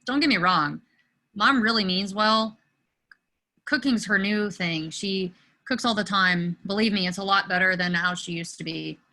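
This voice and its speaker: A woman playing an awkward, excitable, friendly teenage boy in a virtual table read. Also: mid-range voice, normal speed, low-quality recording. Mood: chatty, friendly.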